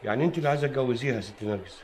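A man's voice: mid-range voice, rapid-fire, a little mellow, close to an everyday voice. An actor as a weary Egyptian father in an echoey room. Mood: resigned. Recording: echoey room with background noise.

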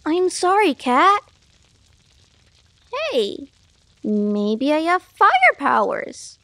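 A woman voicing an eager, naive young male superhero dog in a cartoon, earnest, excitable and hapless. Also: sits high, drawn-out words, exaggerated voice. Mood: panicky, pleading. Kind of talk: cartoon voice acting.

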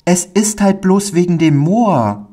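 A man voicing a shy, timid little boy in a storybook reading, with a high, pleading tinged voice. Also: animated, takes it slowly, mellow, full character voice. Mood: anxious, eager.

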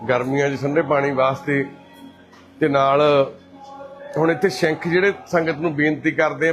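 A man from Punjab speaks with a Punjabi accent on a handheld phone as he walks through a shelter indoors, narrating live. His voice sits slightly high and turns cheerful and coaxing when he speaks to residents. He moves briskly between explaining and chatting. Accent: Punjabi from Punjab, India. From Punjab, India. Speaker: host and caretaker at a care shelter.

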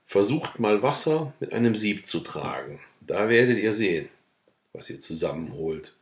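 A man's voice: fairly low pitch, sing-song, normal speed. A man reading the lines of a hard, stubborn old peasant farmer who speaks bluntly.

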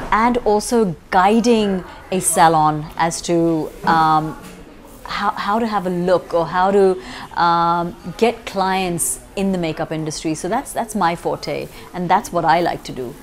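Chatty woman makeup artist, lowish voice. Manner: chatty, frequent ums and restarts. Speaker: makeup artist and salon owner. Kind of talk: interview answers. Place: makeup studio with a backdrop, indoors. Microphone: lapel mic.

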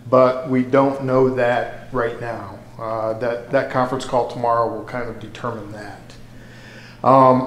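A man working as city administrator, answering council questions in a halting way with many fillers. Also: medium pitch. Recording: roomy chamber sound.

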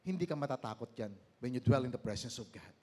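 A man preaching as a pastor, switching between two languages, asking the congregation questions and swinging from loud praise to slow, low emphasis. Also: expressive, husky. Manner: preaches in Tagalog mixed with English, asks the congregation questions. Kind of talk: sermon.

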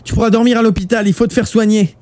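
A man voicing a desperate teenage boy who shouts frantically. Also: fairly even intonation, fast talker, lightly acted. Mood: panicked. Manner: shouting, high-pitched and frantic.

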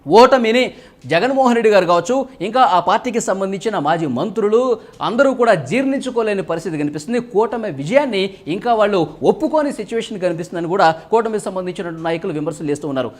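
Male news commentator, high voice, rapid fluent delivery, explanatory, leans on "so" to open phrases. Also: lively intonation. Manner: fluent, explanatory, often opens phrases with English "so". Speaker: political commentator.

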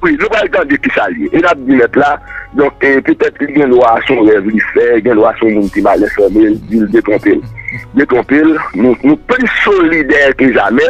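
A man's voice: mid-range voice, sing-song, brisk, creaky, muffled recording, soft background music. A man, a political guest answering in a radio interview, emphatic and repetitive, declaiming his points.

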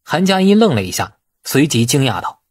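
A man reading a novel as dramatic scripted narration, in a husky voice. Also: mid-range voice, very animated, a little fast, no room sound, clean studio sound. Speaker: audiobook narrator.

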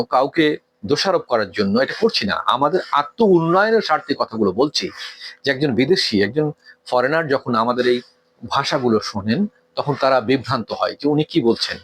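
A man from Bangladesh delivers an earnest talk on etiquette. His voice sits at an ordinary middle pitch. He lectures steadily, asks rhetorical questions and stops often on hesitant fillers. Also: expressive, normal speed, fairly bright tone, a little hiss or hum. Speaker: speaker giving a talk on etiquette. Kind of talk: didactic talk.

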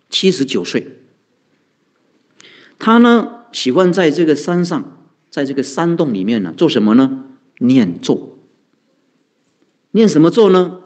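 A man, a Buddhist monk, telling a story in a dharma talk, animated and chuckling, chanting mantras slowly. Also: on the high side, husky. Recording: dull lo-fi recording.

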